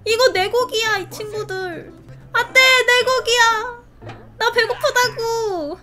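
Bright, giggly young woman gaming. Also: very high-pitched, slow. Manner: excitable, giggly, gushing exclamations. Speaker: game channel host. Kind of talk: casual game play commentary. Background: game music.

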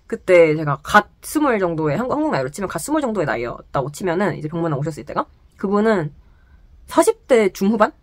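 A young woman telling a personal story to the camera in casual chat, animated and laughing often, in a small indoor room. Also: on the low side, fast, no echo. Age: young adult. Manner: animated, laughs often, gestures while talking. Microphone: camera close in front, sitting.

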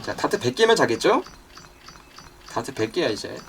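A young man doing let's play commentary, excitable, talking to game creatures and yelping when startled. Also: medium pitch, moderate pace, vocal fry, a little hiss or hum. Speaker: gaming YouTuber.

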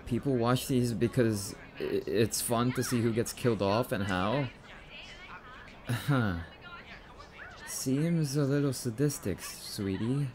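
Man acting a slow-talking, stammering catboy boyfriend. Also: medium pitch, darkish tone, slight background noise, lightly acted. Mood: nervous, critical. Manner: stammering, halting, hesitant. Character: jumpy, bashful catboy boyfriend, bratty but sweet. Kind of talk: boyfriend ASMR roleplay.

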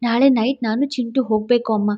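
A woman's voice: on the high side, fairly even intonation, fairly quick, muffled recording, voice pushed down, lightly acted. A woman in her twenties voicing a weary, determined young single mother in a storybook drama, earnest and pleading. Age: 20s.

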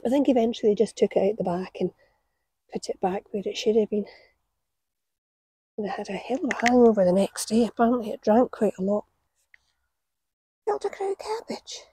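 Expressive and a little fast, with long pauses, a gardening vlogger in her forties speaks in a medium-pitched, dark-toned, breathy voice. She chats casually while working outdoors on her allotment, laughing at the stories she tells. A camera on the ground a few metres away captures a dry recording.

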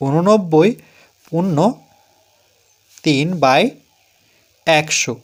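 A man's voice: on the high side, very slow. Patient Bengali man teaching math. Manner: patient, repeats digits one by one. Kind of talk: classroom math lesson, explaining step by step.

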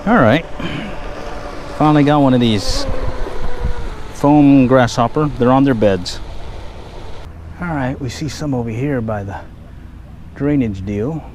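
A man's voice: medium pitch, slow pace, long pauses, slight background noise, rough recording. Man narrating his pond fishing outdoors. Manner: relaxed, muttering asides while casting. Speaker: angler filming his fishing. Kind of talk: casual running commentary. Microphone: head-mounted action camera.

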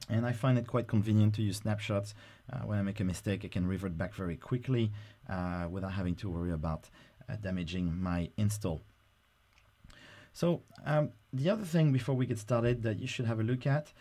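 A man talking through a software install on screen in a casual, explanatory way, with frequent fillers. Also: lowish voice. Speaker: software tutorial presenter. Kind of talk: screen-recorded software tutorial.

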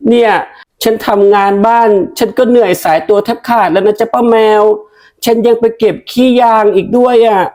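A woman's voice: fairly high pitch, fairly even intonation, normal speed, dark tone, natural voice. Woman playing a fed-up whiny village wife. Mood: complaining. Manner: whiny, chatty complaining, sweet-toned endings. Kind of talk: comedy sketch acting.

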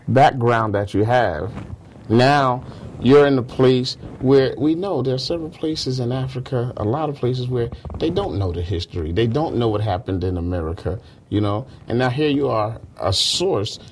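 A man's voice: mid-range voice, normal speed, a little mellow, slight background noise. A man hosting a casual, conversational interview as the interviewer. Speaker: interviewer, host. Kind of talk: casual radio-style interview.

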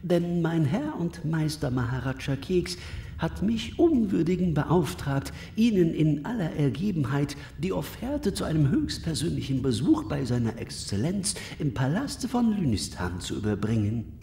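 A man's voice: on the high side, very animated, normal speed, vocal fry, warm tone, reverberant, a little hiss or hum. A man playing a servile palace slave messenger in an audio drama, speaking in a flowery, ceremonious way. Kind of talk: German audio drama acting.

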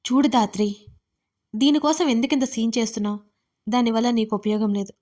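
Woman reading harsh commanding young husband for audio storybook, sharp scolding questions, fairly high voice. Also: brisk, lightly acted. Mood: angry, demanding.

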